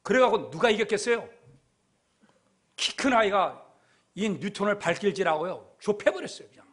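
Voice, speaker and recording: A man preaching a sermon with a notably high voice. He tells stories emphatically, dropping soft and then rising loud as a pastor drives his point home. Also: very animated, moderate pace.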